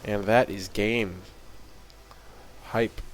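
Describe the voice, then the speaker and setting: A man's voice: on the low side, extremely slow. Congested man thinking aloud while playing. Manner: relaxed, thinking aloud, mildly wry. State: congested from a cold. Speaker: gaming video host. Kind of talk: casual live commentary while playing.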